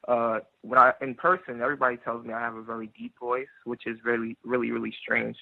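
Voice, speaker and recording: A man's voice: medium pitch, flat delivery, quick pace, gravelly, no room sound. A man calling in to a book discussion, speaking earnestly and with disapproval. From New York. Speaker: caller. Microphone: phone. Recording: tinny dry phone line.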